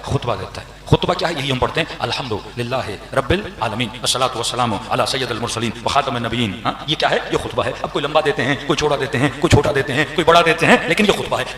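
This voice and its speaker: A preaching man, his voice high and ringing bright. He keeps tossing questions out to the crowd and answering them himself, pressing each point with emphasis. The sound carries a long, roomy echo from the hall. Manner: rhetorical questions to the audience, emphatic build-ups. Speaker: cleric giving a majlis address. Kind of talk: religious sermon. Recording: echoey hall with long reverb.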